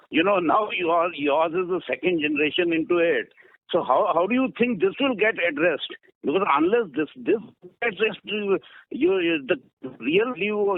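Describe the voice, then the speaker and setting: An Indian man calling in as an investor, putting a blunt question in a halting way on a conference call. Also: sits high, dry recording. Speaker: investor caller asking a question. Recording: narrow, dry phone line.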